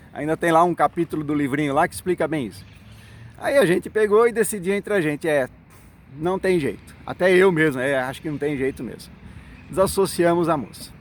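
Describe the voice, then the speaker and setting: A man's voice: a little high, slight background noise. A middle-aged man telling his own story in a monologue. He acts out the quoted dialogue and keeps checking in with "né?" and "certo?". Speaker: former congregation elder telling his story.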